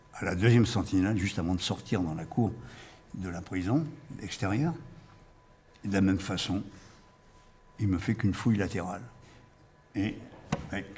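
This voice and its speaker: Pausing long and often, a man talks at a moderate pace in a somewhat breathy voice with audible room echo. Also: fairly low pitch for a man, ordinary pitch variation. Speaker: former resistance fighter and deportee. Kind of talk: testimony. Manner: halting, frequent repetitions.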